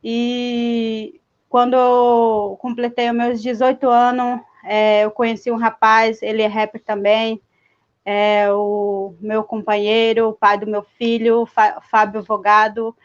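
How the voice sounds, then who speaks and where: A young woman rapper from Mato Grosso do Sul, whose first language is Guarani, speaks seated in a live stream. She talks slowly and hesitantly, with many fillers. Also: a little high, level tone. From Mato Grosso do Sul, Brazil. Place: indoors, seated. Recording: dull lo-fi sound.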